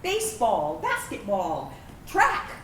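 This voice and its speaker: A woman's voice: mid-range voice, wildly swooping pitch, slow, fairly bright tone, heavily acted. A woman acting in a staged reading as a trans veteran and their inner self, reminiscing conversationally, wounded yet playful. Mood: wistful reminiscence. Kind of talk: staged reading of a personal narrative play. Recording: roomy, distant microphone, faint background noise.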